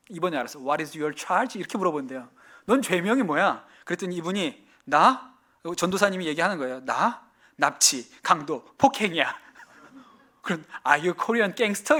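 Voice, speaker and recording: A male pastor preaching a sermon, telling a story with lively acted-out dialogue and sudden swings between loud and soft. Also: high voice. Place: church sanctuary.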